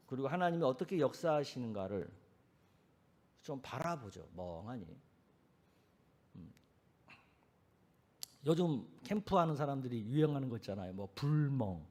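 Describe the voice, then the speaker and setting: A male pastor preaching a sermon in a conversational, animated way, asking the congregation rhetorical questions. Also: medium pitch, normal speed, long pauses. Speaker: senior pastor.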